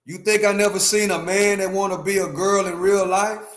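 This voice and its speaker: On his livestream, a man in his fifties airs opinions emphatically and repetitively, addressing his chat directly. He has a high-pitched, steady voice and a moderate pace. The recording is reverberant.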